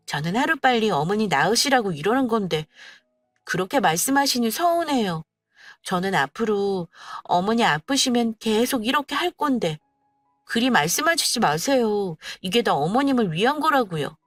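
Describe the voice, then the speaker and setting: A woman's voice: a little high, very animated, normal speed, no echo, soft background music, pitched above the performer's own voice. A woman doing a young daughter-in-law, sugary, teasing, mock-polite, bouncy intonation, dry close sound. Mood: mock-innocent. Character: young wife, sweetly sarcastic daughter-in-law.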